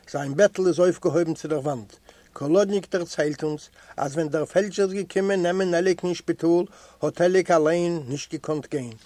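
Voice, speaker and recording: A man from Eastern Europe reading a literary memoir aloud as an audiobook narrator, in a measured, earnest storytelling manner. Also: a little high, dark tone, no echo. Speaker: audiobook reader.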